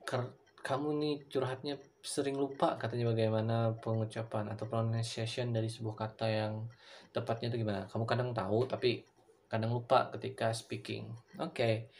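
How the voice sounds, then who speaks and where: A man's voice: mid-range voice, a little mellow, slight background noise. A young adult man with an Indonesian accent giving a casual recorded lesson, answering students' questions and moving between English and Indonesian with plenty of fillers. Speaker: teacher.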